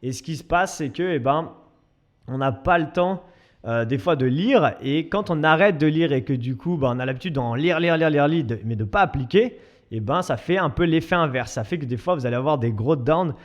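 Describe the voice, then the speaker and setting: A young man with a slightly high voice talks through his solo podcast in a loose, chatty way. He restarts his sentences often and pokes fun at himself. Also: animated, a little fast. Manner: chatty, self-mocking, many restarts and fillers. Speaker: podcast host and fitness coach. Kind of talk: casual solo podcast monologue.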